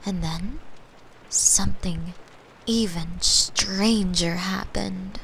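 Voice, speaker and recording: A woman in a gentle ASMR bedtime roleplay as a caring girlfriend, speaking softly and at times whispering, close to the microphone. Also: medium pitch, slight background noise, rough recording. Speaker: audio roleplay performer playing a caring girlfriend.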